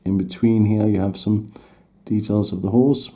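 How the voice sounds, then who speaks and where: With a fairly low, warm voice and a level tone, a man who learned Swedish first narrates a miniature painting tutorial in English at a moderate pace. He hesitates as he works, stopping to correct himself and beginning sentences again.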